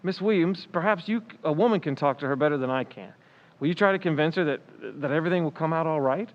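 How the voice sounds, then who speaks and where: Man acting anxious, higher-voiced father in radio play. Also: highs cut off, natural voice. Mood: worried, sorrowful. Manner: hesitant, formal, halting. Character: anxious, protective middle-aged father with a guilty secret. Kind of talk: old-time radio drama acting.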